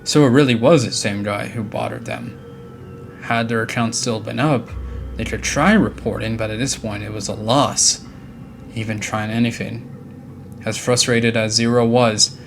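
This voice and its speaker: A man's voice: fairly low pitch, expressive, measured pace, gravelly. A man narrating a scripted horror story in a dramatic storytelling style. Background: faint music.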